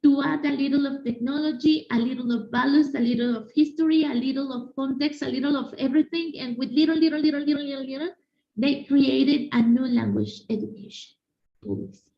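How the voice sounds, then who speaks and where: Mexican-accented woman teacher, gravelly voice. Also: high-pitched, brisk. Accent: Mexican Spanish. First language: Spanish. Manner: animated, repetitive, addresses audience directly. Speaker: teacher giving a conference talk. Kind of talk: online conference talk. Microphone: video call. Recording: echoey room, dull lo-fi sound.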